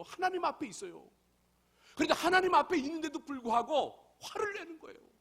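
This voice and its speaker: A man's voice: extremely high pitch, a bit bright. A male pastor preaching a sermon, emphatic and full of rhetorical questions to the congregation.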